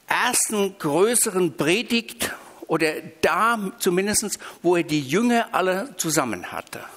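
A man from Switzerland, preaching a sermon with emphatic, drawn-out stressed phrases. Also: fairly high pitch, fairly bright tone. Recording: reverberant hall.

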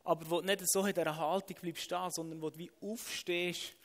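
High-voiced Swiss man preaching in a hall. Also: fairly even intonation, fairly quick. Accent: Swiss German. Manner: earnest, repetitive, emphatic. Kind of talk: sermon.

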